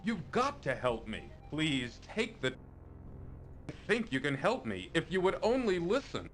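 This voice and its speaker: A man's voice: a little high, huge pitch swings, measured pace, fairly bright tone, faint music behind, exaggerated voice. A man voicing an earnest king on a quest in an adventure video game, pleading for help.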